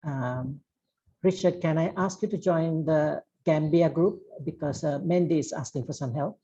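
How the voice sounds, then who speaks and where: A woman's voice: deep voice, normal speed, dark tone, breathy edge. A woman facilitating an online training, patiently calling out participants' names and sorting them into groups over a video call. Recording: muffled video call audio.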